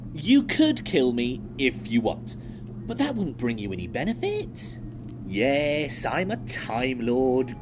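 A villainous renegade Time Lord acted by a man in a sci-fi audio drama. He is mocking and insinuating, savouring words slowly and swooping extravagantly across his range. Music plays behind him. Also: on the high side.

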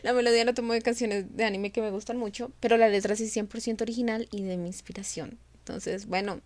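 A woman's voice: on the high side, fairly even intonation, quick pace, a little mellow, no echo. A woman introducing her own videos in a casual, giggly, self-deprecating way. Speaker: amateur fandubber and singer presenting own videos.

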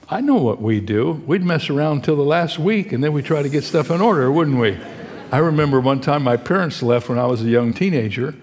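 An older man preaching in a conversational, storytelling way, tossing rhetorical questions to his congregation. His voice sits at an ordinary middle pitch. It rings with the long reverb of a big hall. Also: darkish tone. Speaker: pastor. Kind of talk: sermon.

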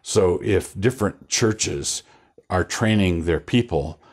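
An older man, a pastor, talking in a relaxed studio interview, wandering through his points with restarts and a wry chuckle, on a lapel mic. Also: sits low, takes it slowly, husky. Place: studio set with bookshelves.

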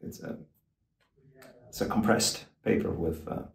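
An older man, a guitar expert guest, explaining in a casual, halting way with many fillers and restarts, in a small backstage room. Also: distant mic. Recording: roomy, off-mic, faint noise.

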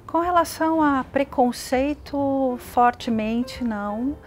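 A woman's voice: sits high, takes it slowly. A woman, a visual artist, talking as a guest on a panel show, earnest and emphatic, coming back to her point. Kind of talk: casual talk-show conversation. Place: living-room studio set.

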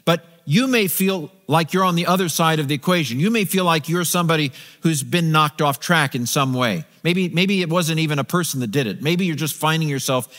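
A man's voice: fairly high pitch, fairly quick, few pauses, fairly bright tone. A middle-aged man preaching a sermon from a church stage, walking and gesturing, talking conversationally with frequent restarts and repeated words. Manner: conversational, walks the stage, gesturing with a Bible in hand. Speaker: pastor. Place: large church stage with a live congregation. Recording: long reverb of a large sanctuary.

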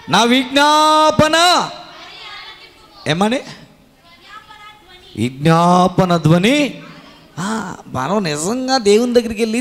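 A man preaching a sermon, throwing questions to the congregation and swinging between loud cries and low asides. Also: in a large hall. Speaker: pastor. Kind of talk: Telugu sermon.

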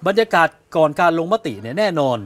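Speaking quickly in a slightly high voice, this male co-host of an evening news show breaks down political developments with animated, chatty energy. He throws out rhetorical questions and performs other people's quotes, all from a TV studio.

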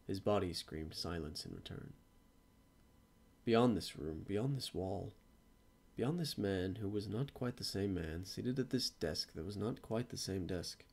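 A man giving a dramatic, theatrical reading of story prose, with deliberate, expressive phrasing. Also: on the low side, gravelly. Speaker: voice actor, story reader. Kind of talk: dramatic scripted storybook narration.

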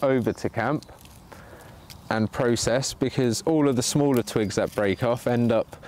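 In a sunny patch of woodland, a man hosts a bushcraft livestream, chatting casually with viewers as he demonstrates, while the camera points down at his hands. His voice is medium-pitched and somewhat dark, and he takes his time.

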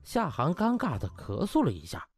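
A man narrating a comic audiobook as a lively storyteller. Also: fairly high pitch, normal speed, soft background music.

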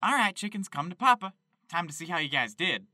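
A man playing an excitable young chicken farmer who talks in a folksy, exclamatory way in an amateur audio drama. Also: high-pitched, a little fast, heavy background noise. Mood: amazed. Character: excitable young male Kentucky chicken farmer, devoted to animals.

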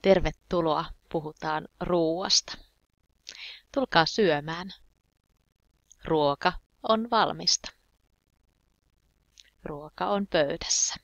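Woman language teacher, low voice, gravelly, dry dull recording, slow clear example phrases. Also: dry recording. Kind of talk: slow beginner language lesson.

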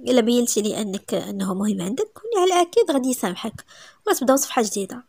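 A woman voicing a gentle middle-aged father who soothes his daughter, with a Moroccan accent. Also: on the high side, lively intonation, rapid-fire, gravelly, breathy edge, dry recording, clean studio sound, full character voice. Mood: reassuring.

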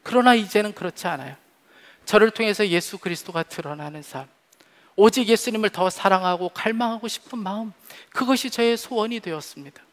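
A man in his forties preaches from a church stage with a noticeably high voice. He is earnest and heartfelt, pressing some words hard and letting others drop soft. His voice rings out into a long hall reverb. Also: fairly quick. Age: 40s. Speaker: pastor. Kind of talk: sermon. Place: church stage behind a podium. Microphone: headset mic.

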